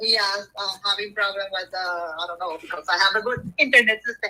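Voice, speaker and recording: Speaking at a very fast pace, a woman with a medium pitch and a bright, sharp tone keeps fairly even intonation while her loudness swings widely. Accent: Puerto Rican. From Puerto Rico. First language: Spanish. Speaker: pet owner caller. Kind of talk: question to experts.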